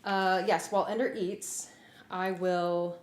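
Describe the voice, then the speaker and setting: Woman, lowish voice, livestream host, casual chat, halting and informal, echoey room. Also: little pitch movement. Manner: informal, halting, thinking aloud. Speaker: livestream host and music arranger. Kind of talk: casual livestream chat, explaining work progress. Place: warm indoor room. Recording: roomy echo, clear background noise.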